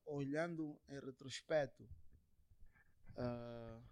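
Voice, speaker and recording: Halting man in a close, dry interview. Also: mid-range voice, a little mellow, no room sound. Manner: halting, repeats phrases, mixes English slang into speech. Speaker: musician, interview guest. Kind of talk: casual interview conversation.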